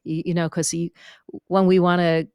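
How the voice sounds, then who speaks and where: A woman from New York, a speaking and vocal coach, chatting as a guest on a podcast with an expressive, lively teaching manner. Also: fairly low pitch, moderate pace, clean tone, no room sound, clean studio sound. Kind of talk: conversational podcast interview.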